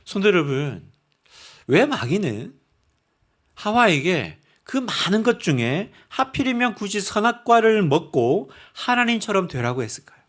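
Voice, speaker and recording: High, lively-voiced male preacher. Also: measured pace. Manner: animated preaching with rhetorical questions to the congregation. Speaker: pastor. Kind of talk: sermon.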